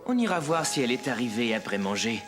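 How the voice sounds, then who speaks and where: A man's voice: medium pitch, big pitch swings, fast, over music, natural voice. A man playing an easygoing, friendly father in a children's cartoon, with an encouraging way of explaining. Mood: enthusiastic. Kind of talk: French children's cartoon acting.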